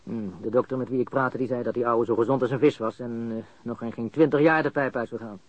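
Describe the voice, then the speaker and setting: An actor in a radio crime drama playing a nervous, bitter small-time crook who stammers and talks in slang while confessing under interrogation. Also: male voice, medium pitch, steady tone, fast talker, no room sound, natural voice. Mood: exasperated. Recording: dull lo-fi studio radio recording.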